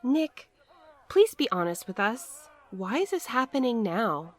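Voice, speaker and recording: A woman's voice: fairly high pitch, sing-song, a little slow. A woman playing an earnest, hopeful courier in an audio drama, polite and inquisitive. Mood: concerned.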